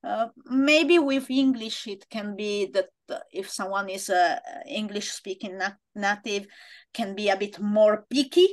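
A woman in her thirties with an Italian accent, hosting a casual interview over a video call from a bedroom at home, with many pauses and fillers. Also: medium pitch. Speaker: podcast host. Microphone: laptop webcam on video call.

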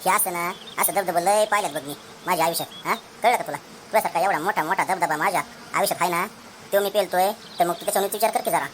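A woman's voice: lowish voice, fast, a little hiss or hum, lightly acted. A woman voicing a stubborn, boastful old village man in a comedy cartoon, quarrelsome. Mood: boastful, irritated. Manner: quarrelsome, rustic, insulting. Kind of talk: Marathi comedy cartoon dialogue.

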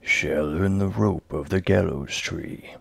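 Sly evil hangman for a poem, super low raspy growl, slow and mocking. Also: full character voice. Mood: sly, ominous. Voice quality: very deep, gravelly rasp. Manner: slow, drawn-out, taunting delivery. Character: sly, menacing male hangman, coldly mocking and businesslike. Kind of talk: dramatic poetry recitation.

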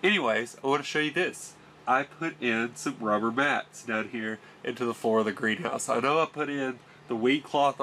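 A man's voice: medium pitch, fairly bright tone, a little hiss or hum. A young man in his twenties with a stuffy, nasal voice from a cold, chatting enthusiastically as he explains gardening gear in a small greenhouse, recorded on a camera mic. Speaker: gardening channel host. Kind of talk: casual how-to vlog. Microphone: camera mic at close range.

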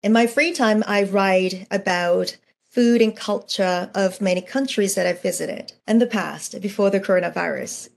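A woman's voice: mid-range voice, moderate pace, gravelly. A woman in her thirties from South Korea with a Korean accent, giving a chatty guest lecture over a video call and asking the audience questions. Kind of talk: online presentation. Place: indoor room at home. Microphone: earphone mic on video call.

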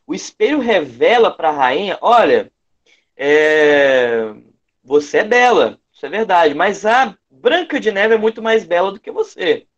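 A man with a Brazilian accent teaching an online lesson, reading a fairy tale aloud and explaining it didactically, repeating phrases for emphasis. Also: high voice. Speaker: English teacher. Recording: dull, lo-fi online call audio.

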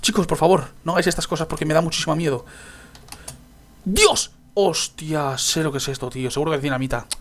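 A young man giving excitable gameplay commentary, yelping and laughing when he falls. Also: fairly high pitch, very fast, few pauses. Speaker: Minecraft let's player.

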